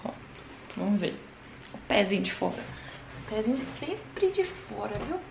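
A woman vlogging casually to her viewers from a bedroom at night, talking in a chatty way that often drops to a hushed murmur. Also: medium pitch, big pitch swings, normal speed, creaky, reverberant, noisy background. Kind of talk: casual vlog chat to viewers.

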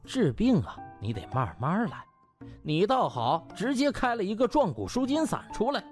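A man plays a cocky young male doctor in a comic audiobook. He is glib, chatty and needling, with wildly varied pitch over light music. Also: wildly swooping pitch, moderate pace. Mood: lecturing. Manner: chatty, mock-humble, needling.

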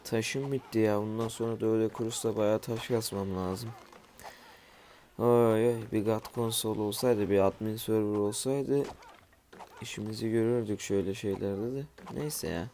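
A man's voice: fairly low pitch, steady tone, normal speed, mellow, a little hiss or hum. A man giving casual let's-play commentary at home, just woken up and groggy, muttering to himself while he builds and tossing asides to viewers. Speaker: gamer streaming his play.

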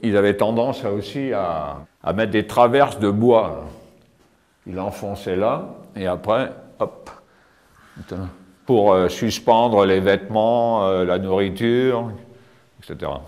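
An older man giving a casual tour of his cave home, talking with many pauses and fillers, recorded on a camera mic as he moves around. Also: fairly low pitch, a little mellow. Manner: hesitant, many fillers and restarts. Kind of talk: casual spoken house tour. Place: inside stone cave rooms and outdoors by cliffs.

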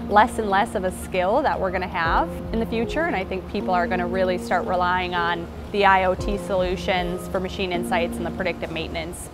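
A woman in her thirties giving steady, conversational interview answers on a factory floor, with a lapel mic. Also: fairly low pitch, brisk, few pauses. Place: large factory floor indoors. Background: background music.

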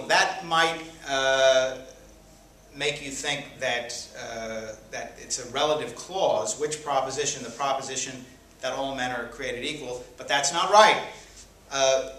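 Guy explaining grammar at a board, bright voice, slow and full of uhs, sounds far from the mic. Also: mid-range voice. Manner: thinking aloud with many fillers. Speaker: grammar teacher. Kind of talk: whiteboard grammar lesson. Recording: echoey room, mic far off.

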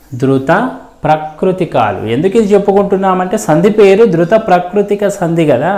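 Man teaching grammar, high voice, echoey. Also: darkish tone. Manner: repeats terms and examples slowly, asks and answers own questions. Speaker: Telugu teacher. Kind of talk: explanatory grammar lesson.

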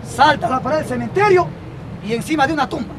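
A man's voice: very high-pitched, expressive. A man telling crude jokes in the street, often checking in with the crowd. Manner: rapid, crude, asks crowd for approval. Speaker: street comedian. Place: outdoor street. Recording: loud outdoor street crowd and traffic.

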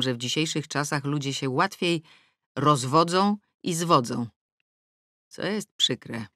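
A woman's voice: fairly bright tone, no echo, studio quality. Wry middle-aged woman narrating an audiobook. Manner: wry, ironic storytelling with sudden rises in pitch. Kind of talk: first-person novel narration. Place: dry recording booth. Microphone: close studio mic.

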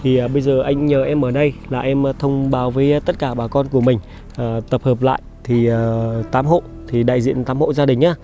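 A man's voice: medium pitch, fairly even intonation, brisk, dark tone, faint music behind. A young man vlogging on a village visit, chatty and caring, talking straight to his viewers. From Vietnam. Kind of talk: casual vlog chat.

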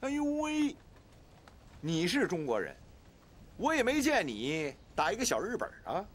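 A man's voice: sits high, wildly swooping pitch, a little slow, heavily acted. An actor playing a smug, ingratiating man who works for the British in a period TV drama, with a Beijing accent. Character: smug man working at the British legation, John. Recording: drama soundtrack with faint music.

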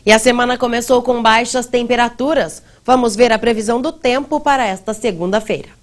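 A woman presenting the weather forecast in a measured announcer delivery. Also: fairly high pitch, fairly even intonation. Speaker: news presenter. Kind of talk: read news and weather. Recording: dry voice-over with faint music.

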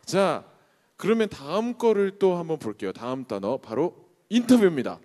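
A man hosting a fan showcase, lively and teasing, leading the talk between guests. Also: on the high side, faint music behind. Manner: lively, teasing, quick back-channel replies. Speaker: event host. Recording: live hall reverb with faint noise.

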